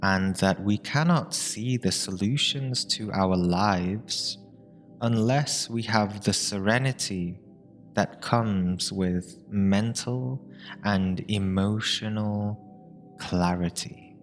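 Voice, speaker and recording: Slow, low-voiced man guiding meditation. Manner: soothing, measured, with long pauses between short phrases. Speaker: meditation guide. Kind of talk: guided meditation narration. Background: meditation music with binaural tones.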